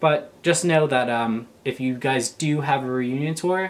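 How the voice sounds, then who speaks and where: Ordinary pitch variation from a man, delivered at a fairly slow pace. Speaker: video creator. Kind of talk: comedic roast rant video. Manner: animated, dramatic, sarcastic; angry, ranting, profane, mock-outraged. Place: home room. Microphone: phone near.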